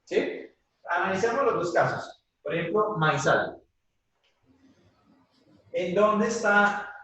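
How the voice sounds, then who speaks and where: A man's voice: high-pitched, lively intonation, slow pace, sharp tone. A male teacher giving a classroom grammar lesson, patiently checking in with his students after each point. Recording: very echoey room, voice from far off.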